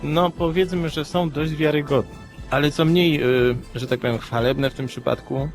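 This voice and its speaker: A man co-hosting a podcast, giving measured, analytical commentary in an explanatory conversational style. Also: fairly high pitch, fairly even intonation, faint music behind.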